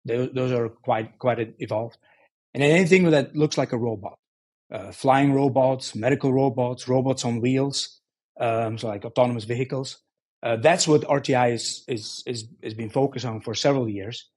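A middle-aged man from Belgium, a guest in a podcast interview, explaining his work in a measured way with frequent restarts. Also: medium pitch, darkish tone, slightly rough. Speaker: guest, engineering executive.

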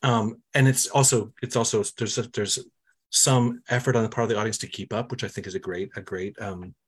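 A male interviewer asking a long question in a halting way, restarting and searching for words. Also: on the low side, fairly even intonation, husky.

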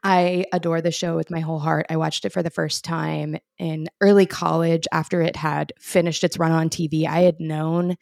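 Gravelly-voiced woman podcast host. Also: low-pitched, level tone, normal speed, hardly any pauses, a little mellow, no room sound, clean studio sound. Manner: enthusiastic, emphatic. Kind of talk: casual chat.

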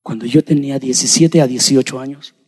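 A man preaching a sermon to his congregation, addressing them directly and swinging between shouting and hushed speech. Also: medium pitch, fairly even intonation, fairly quick, breathy edge. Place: church sanctuary. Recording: long hall reverb.

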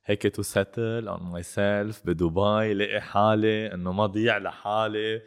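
Low male voice, Lebanese Levantine accent, middle-aged, casual storytelling, switches into English and French. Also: level tone, unhurried, smooth. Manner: mixes Arabic with English and French words. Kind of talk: casual chat and personal anecdotes.

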